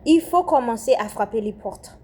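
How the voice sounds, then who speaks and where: Young woman, French accent, fervent preaching, warm mellow tone, slightly high voice. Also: animated, moderate pace, slightly rough. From Haiti. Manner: fervent, repetitive, with hesitations and restarts. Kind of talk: impassioned spoken prayer message.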